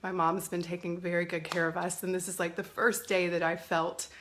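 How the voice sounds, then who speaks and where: A middle-aged woman, slightly hoarse from a cold, hosting a chatty live stream from a family home. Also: fairly low pitch, little pitch movement, fairly quick, a bit bright, a little hiss or hum. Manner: chatty, greets viewers by name. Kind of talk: casual live-stream talk. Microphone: phone or webcam live stream.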